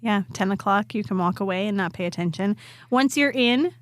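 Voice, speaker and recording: A woman co-hosting a podcast in casual chat, still hoarse and stuffy from a cold. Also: medium pitch, brisk, no echo, studio quality. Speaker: podcast co-host.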